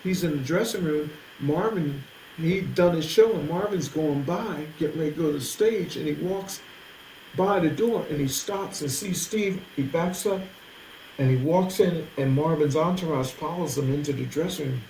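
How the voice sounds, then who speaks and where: A man in his sixties, a musician guest telling animated stories in conversation, acting out other people's voices along the way. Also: on the high side, normal speed, slight background noise. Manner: lively, acts out others' voices in anecdotes. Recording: echoey room.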